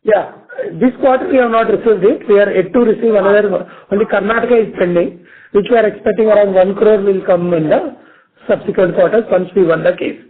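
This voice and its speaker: A man's voice: high voice, brisk. A man with an Indian accent, a company finance executive answering analyst questions on a conference call. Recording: tinny narrow phone-line conference call.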